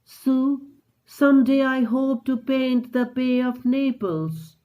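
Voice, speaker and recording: Sick, weak young woman, soft and high; a man doing it. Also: slow, poor audio.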